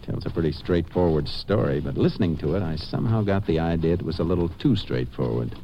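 Deep-voiced, steady Texas Ranger investigator. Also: male voice, brisk, lo-fi sound. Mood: businesslike. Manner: calm, terse, methodical questioning. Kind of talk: 1950s western radio drama acting. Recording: noisy old-time radio recording.

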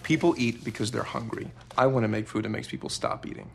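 A noisy film-drama clip of a man acting as an intense, driven chef. He speaks urgently and fast, in a heavily gravelly voice. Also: mid-range voice, close to an everyday voice.

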